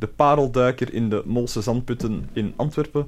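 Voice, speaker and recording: A man with a medium-pitched voice speaks at a very slow pace, with ordinary pitch variation. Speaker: radio host. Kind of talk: casual radio chat. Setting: radio studio.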